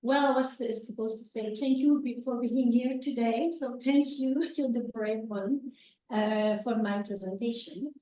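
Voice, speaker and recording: A woman's voice: fairly high pitch, a little slow, dark tone, slight background noise. A woman with a Quebec French accent, a native French speaker giving a hesitant academic conference talk in English with many fillers and restarts. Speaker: conference presenter, university researcher. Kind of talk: academic presentation. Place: lecture room. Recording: echoey room, speaker far from mic.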